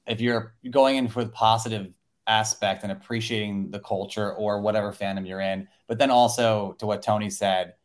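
Man, podcast co-host, lowish voice, earnest, thinks aloud, sums up. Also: fairly even intonation, moderate pace. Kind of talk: casual podcast chat.

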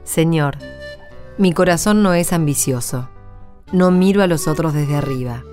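An actress with an Argentine accent playing a gentle, devout woman in a radio drama. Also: sits low, measured pace, soft background music. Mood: tender.

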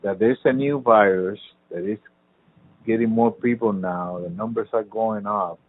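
A man in casual chat, talking in a profane, animated rant that trails off and picks back up. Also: fairly low pitch, moderate pace, husky. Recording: tinny phone-like sound.

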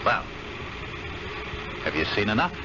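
An actor playing a smooth, sneering gambling-club blackmailer who gloats in an old radio drama. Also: male voice, lowish voice, big pitch swings, unhurried. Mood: gloating. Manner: silky, gloating, amused. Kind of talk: 1970s radio drama acting. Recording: lo-fi vintage radio with clear hiss.

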